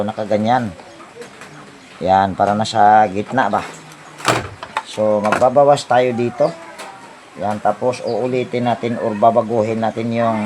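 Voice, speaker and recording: A man's voice: mid-range voice, darkish tone, slight background noise. A man giving a casual step-by-step appliance repair tutorial, thinking aloud to himself as he works. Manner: talks to himself while working, thinking aloud. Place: outdoor home service job with roosters and birds nearby.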